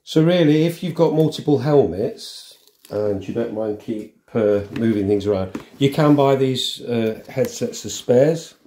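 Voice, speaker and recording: A middle-aged man giving a casual hands-on tutorial, halting and thinking aloud as he works in a room at home. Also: mid-range voice, dark tone. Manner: halting, unscripted, thinking aloud while working. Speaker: vlogger demonstrating a helmet intercom fitting.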